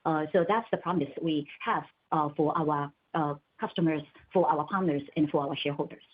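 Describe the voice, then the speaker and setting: A woman executive answering analysts on an earnings call, measured and pausing between short phrases. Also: sits low, husky. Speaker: company executive. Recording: muffled narrow telephone conference line.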